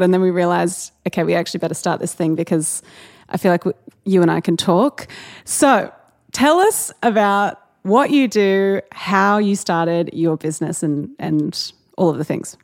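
A woman's voice: medium pitch, a little mellow. A woman hosting a podcast from her kitchen, chatting casually and playfully with her guest and laughing often. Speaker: podcast host. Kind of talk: casual interview chat. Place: home kitchen.

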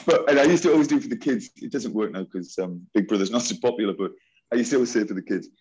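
A man from northeast England with a Geordie accent, a teacher talking animatedly in an interview, jokey and quick to repeat himself. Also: on the low side, a little hiss or hum, rough recording. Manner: lively, jokey, repeats words.

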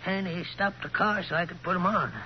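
A man's voice: high-pitched, steady tone, fairly quick, lightly acted. An actor playing a nervous, shifty male crime suspect with slangy, uneducated speech in a 1940s radio drama. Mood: defensive, whining. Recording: muffled, noisy old radio recording.

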